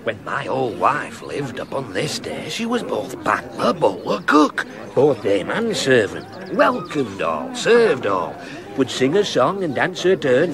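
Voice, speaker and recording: An actor playing a jovial, widowed old shepherd who coaxes his daughter in a radio play, over a loud crowd. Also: mid-range voice. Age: older. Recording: loud crowd noise behind.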